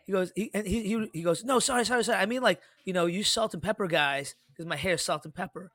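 A middle-aged man co-hosting a podcast, telling stories in a casual, animated way and acting out the dialogue he quotes. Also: high-pitched, fast. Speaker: podcast co-host.

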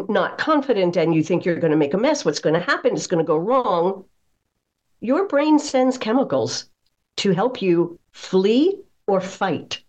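A woman with a fairly low, slightly mellow voice appears as a guest voice coach in an interview, explaining things instructively and stressing key phrases. The audio sounds a bit dull and muffled.

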